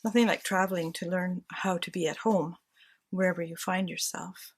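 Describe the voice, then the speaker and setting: While she decorates a handmade journal at home, a crafting vlogger casually talks to herself and her viewers. Her voice is fairly low and breathy, with fairly even intonation at a moderate pace.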